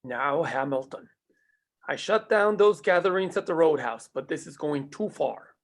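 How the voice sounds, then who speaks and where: Gravelly, higher-voiced man as lawman. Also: animated, normal speed. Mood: indignant. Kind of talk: script table read.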